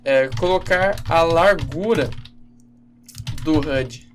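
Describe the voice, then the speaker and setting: A man giving a casual, halting screen-recorded programming lesson, with many fillers and self-corrections. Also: a little high, a little hiss or hum. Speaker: game development instructor.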